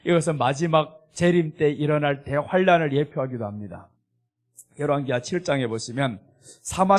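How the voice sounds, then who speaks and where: Korean pastor guy preaching a sermon, kinda high voice, punchy and emphatic. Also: darkish tone. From South Korea. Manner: emphatic preaching, quotes scripture in voiced asides.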